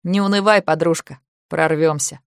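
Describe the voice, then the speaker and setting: A woman voicing a calm young man acting as interpreter, speaking in a steady, reassuring, matter-of-fact way. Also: low-pitched, normal speed, gravelly, clear, resonant tone, no echo, clean studio sound. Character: calm young man, tall and thin, quick-witted interpreter.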